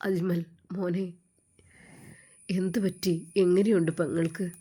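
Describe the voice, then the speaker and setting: A devout older Arab woman from a spoken storybook, kind and motherly, as a woman reader puts her on. She pleads in prayer and speaks softly to comfort others. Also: mid-range voice, a little slow, natural voice.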